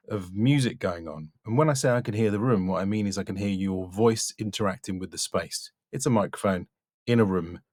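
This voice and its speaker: A low-pitched man speaks as a voice-over coach, recorded close and very dry. He critiques bluntly and instructively, stressing points in short, emphatic remarks. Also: a little mellow, no echo. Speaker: voice-over coach reviewing demo reels.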